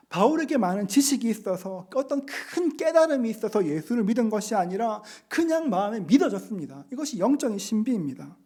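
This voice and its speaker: A middle-aged man preaching a sermon as pastor, earnestly explaining scripture and slowing down to read passages aloud. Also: sits high, dark tone. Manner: earnest, slows to read scripture and act out quotes. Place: church sanctuary.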